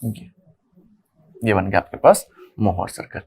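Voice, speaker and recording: A man's voice: on the low side, sing-song, unhurried, vocal fry, a little mellow, husky. A man with an Indian accent teaching an engineering class. He mixes in English technical terms, repeats key phrases and asks the class questions that he then answers himself. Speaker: engineering lecturer. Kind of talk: classroom lecture explaining at a whiteboard.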